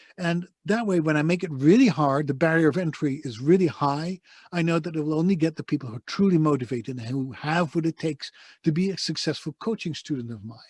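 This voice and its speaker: A man with a Dutch accent talks very fast in a fairly high pitch with lively intonation. The sound is dry and close, with no echo. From Netherlands. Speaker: voice actor and coach. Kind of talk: casual interview chat.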